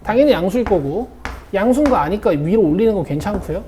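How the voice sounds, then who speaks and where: In an academy classroom, a female math teacher from South Korea solves a problem while regularly checking on her students. She talks fast and animatedly in a mid-range voice with a dark tone, and there is slight background noise.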